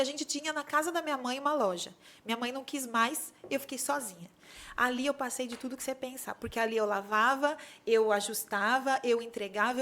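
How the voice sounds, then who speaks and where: A woman guest on an interview podcast, telling stories in a casual, animated way and acting out dialogue in them. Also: on the high side. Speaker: podcast guest, bridal designer. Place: podcast studio.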